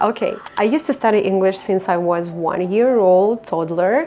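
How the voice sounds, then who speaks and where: A woman with a slight Russian accent speaks with lively intonation, medium pitch and a moderate pace over noticeable background noise. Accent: little Russian accent in English. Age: 30s. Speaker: YouTuber. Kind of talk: personal vlog monologue. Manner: hesitant, with fillers.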